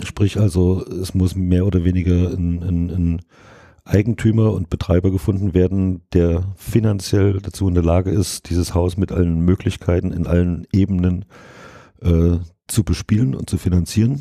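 A man's very deep, low voice, dark and mellow in tone, at a moderate pace with fairly even intonation. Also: very clean recording, silent background. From Saxony. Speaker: cultural association member. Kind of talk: interview. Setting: in a room at the venue.

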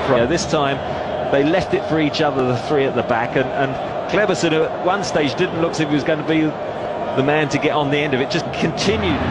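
Noticeable background noise sits behind a man speaking at a fairly quick pace. His loudness stays very even, and his pitch varies in an ordinary way. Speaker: football co-commentator and analyst. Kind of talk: live sports commentary. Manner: calmer, measured analysis between action; conversational, thoughtful, hesitant phrasing.

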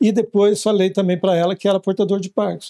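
Against a quiet background, a man speaks at a high pitch with a dark, mellow tone. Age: 60s. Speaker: interview guest living with Parkinson's. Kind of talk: interview conversation. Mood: calm, slightly hesitant. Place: studio.

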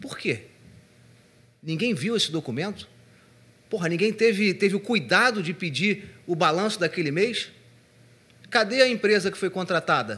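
A man's raised, projected voice, high-pitched with a bright, sharp tone, lively intonation, and long, frequent pauses. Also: moderate pace. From Brazil. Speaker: football club executive. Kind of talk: answering fan questions. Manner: hesitant, many filler pauses; indignant emphasis. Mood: indignant, critical. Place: studio. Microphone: studio mic.

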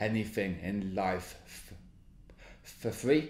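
Here a man speaks with a Yorkshire accent. His pitch is fairly low. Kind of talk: interview answer.

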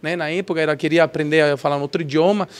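A man's voice with fairly even intonation. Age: 30s. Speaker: donut business founder. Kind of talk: casual interview. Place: studio. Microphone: studio mic.

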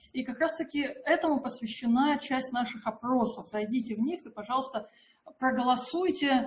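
Faint music plays behind a woman with a high voice who speaks at a moderate pace with ordinary pitch variation. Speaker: webinar presenter. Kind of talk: webinar presentation. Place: studio.

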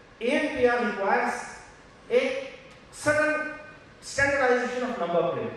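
Fairly slow speech with ordinary pitch variation, strong room echo, and light background noise. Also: man. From India. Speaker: senior police officer. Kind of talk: conference talk. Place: hall.

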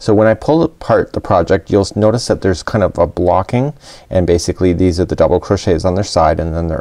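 A man with a normal speaking voice, a fairly low pitch and lively intonation, against a quiet background. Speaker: crochet instructor. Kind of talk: tutorial. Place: studio.

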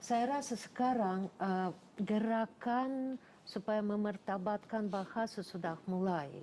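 A woman with a Russian accent at a very slow pace, her tone dark and mellow, her pitch variation ordinary. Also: medium pitch for a woman, very even loudness. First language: Russian (speaking Malay). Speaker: university lecturer. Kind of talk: studio interview. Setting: TV studio.

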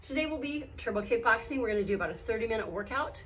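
A woman talks very fast, with light noise in the background. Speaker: fitness instructor. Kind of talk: workout instruction.

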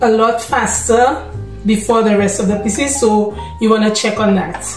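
Against faint music in the background and audible room echo, a woman talks at a moderate pace with very even loudness and fairly even intonation. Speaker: home cook vlogger. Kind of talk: cooking tutorial. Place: kitchen.

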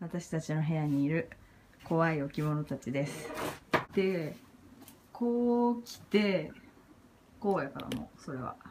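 The speech moves at a fairly slow pace with lively intonation, big swings in loudness and long, frequent pauses over noticeable background noise. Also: woman, fairly low pitch for a woman. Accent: Kansai. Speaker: comedian. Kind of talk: casual vlog chat. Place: home room. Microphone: phone near.

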